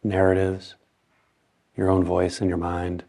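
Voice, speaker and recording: A man leading a guided meditation, speaking calmly in short phrases with long pauses. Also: deep voice, creaky.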